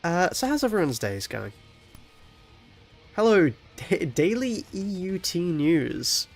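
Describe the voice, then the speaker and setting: A young man streaming a video game while ill with a cold, sounding nasal and stuffy, talking quietly with low energy and chuckling now and then. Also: big pitch swings, slow pace, creaky, soft background music. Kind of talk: casual live-stream chat while playing.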